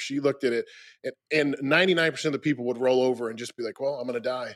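An ordinary speaking voice with ordinary pitch variation is captured with a dry, close sound and no echo. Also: man. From Michigan. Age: 30s. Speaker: bodybuilder and coach. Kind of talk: casual chat.

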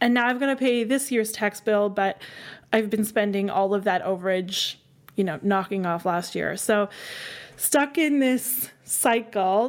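An unremarkable speaking voice from a woman, pitched fairly high and showing ordinary pitch variation. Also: fairly slow pace. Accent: Canadian. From northeastern Ontario, Canada. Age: 30s. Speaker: design director sharing money problems. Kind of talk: interview.

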